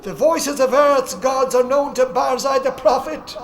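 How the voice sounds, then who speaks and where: A man voicing an old prophet in a horror audiobook, wildly exultant and boastful, proclaiming shrilly. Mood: ecstatic, boastful. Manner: shrill, wild, slow proclaiming shouts. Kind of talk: dramatic audiobook character voice.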